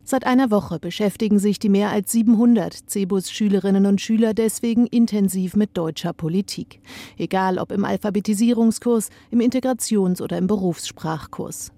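A woman narrating a radio feature report in a clear, even way. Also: mid-range voice, brisk, no room sound.

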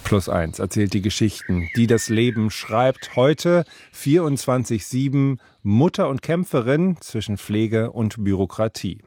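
A man hosting a radio show, introducing the story and his colleague with a smooth presenter delivery in a studio. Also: medium pitch, lively intonation, a little slow, few pauses, a little mellow. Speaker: radio host. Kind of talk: scripted show introduction and conversation.

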